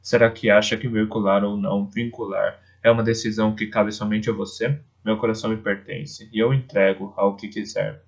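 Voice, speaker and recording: A man's voice: fairly low pitch, flat delivery, moderate pace, creaky, few pauses. A man voicing a proud, defiant young male wolf in an audiobook, talking in a scornful, insistent way. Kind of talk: audiobook character voice. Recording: dull lo-fi recording.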